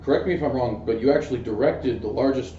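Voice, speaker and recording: A man hosting an interview, asking his questions in a soft-spoken, measured, slightly hesitant way. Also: mid-range voice, slight background noise. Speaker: interview host. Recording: distant mic in an echoey room, dull.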